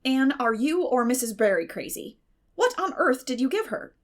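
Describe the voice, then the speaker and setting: A woman voicing a stern, no-nonsense older female guardian in a storybook, with a brisk scolding manner. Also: sits high, very animated, pitched above the performer's own voice. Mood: baffled, exasperated.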